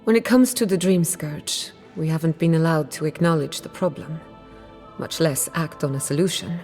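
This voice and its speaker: An actress playing a proud, sharp-tongued outcast woman scholar in dramatic video game dialogue, articulate, assertive and wry. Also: sits low, normal speed, faint music behind, close to an everyday voice. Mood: determined.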